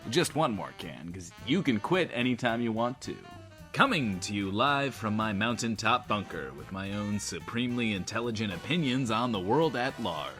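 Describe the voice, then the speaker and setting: In an audio drama, an actor plays the swaggering but insecure host of a post-apocalyptic bunker radio show, delivering an in-world monologue that is pompous, wordy and theatrical, even referring to himself in the third person. His low-leaning male voice is fairly bright, with lively intonation at normal speed, and faint music sits behind him in a pompous, showy mood.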